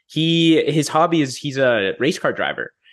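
Speech comes at a moderate pace over a quiet background. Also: man. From San Diego, California. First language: Spanish. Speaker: podcast host. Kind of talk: casual interview chat.

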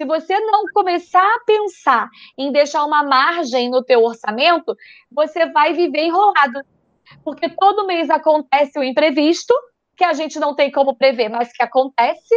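Speaking in a Rio de Janeiro accent, a woman uses a high pitch and lively intonation at a moderate pace. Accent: carioca. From Rio de Janeiro, Brazil. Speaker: financial coach. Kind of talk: live-stream interview.

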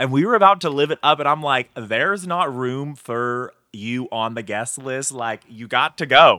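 A man at a medium pitch talks at a moderate pace with hardly any pauses, ordinary pitch variation, and big swings in loudness. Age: 30s. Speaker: youth empowerment coach and speaker. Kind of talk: casual chat. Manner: halting.

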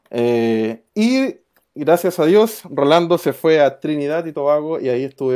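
A man's dark, mellow voice unfolds at a fairly slow pace. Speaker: church musician. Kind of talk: testimony. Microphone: unstable internet connection.

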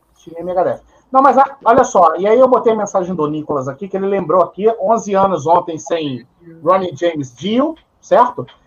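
A man with a high voice talks at a moderate pace, his intonation lively. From Rio de Janeiro, Brazil. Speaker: YouTube channel host. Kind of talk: casual chat.

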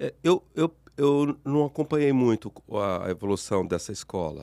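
At a fairly slow pace, a man speaks in a dark, mellow tone with lively intonation. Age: 60s. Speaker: psychologist, consultant and author. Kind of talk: interview. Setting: studio.

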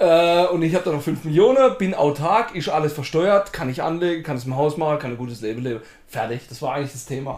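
A man speaks very fast, his pitch fairly high and his intonation lively. His loudness rises and falls in big swings. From Baden, Karlsruhe. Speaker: podcast host. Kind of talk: casual chat.

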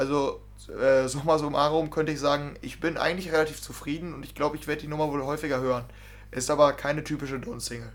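A man talks very fast at a fairly high pitch, his intonation monotone and flat. His loudness swings widely. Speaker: music podcast co-host. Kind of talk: casual chat.

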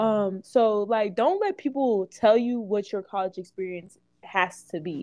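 A woman speaks at a medium pitch and a fairly slow pace, her tone dark and mellow. Her pitch varies in an ordinary way against a quiet background. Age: young (19). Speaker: college student podcast co-host. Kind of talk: casual chat.

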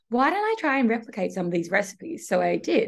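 Talking at a fairly quick pace, a woman uses a medium pitch. She speaks with an Australian accent. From Australia, Sydney. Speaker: recipe content creator and pilates instructor. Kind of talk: casual interview chat.

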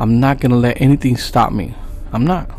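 A man at medium pitch, with fairly even intonation and a fairly slow pace.

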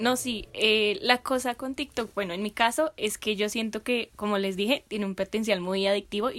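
Pitched fairly high, a woman talks in an unremarkable speaking voice, her pitch varying in an ordinary way. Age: 20s. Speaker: podcast co-host. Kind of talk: casual chat.

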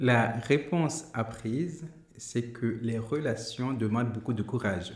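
A man's very slow, somewhat breathy voice at a medium pitch, with ordinary pitch variation. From Haiti. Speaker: podcast guest sharing personal story. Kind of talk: interview testimony.

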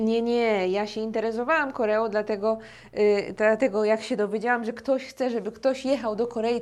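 The speaker has an unremarkable speaking voice with fairly even intonation. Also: woman. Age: 20s. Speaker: podcast host, Polish teacher. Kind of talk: casual chat.

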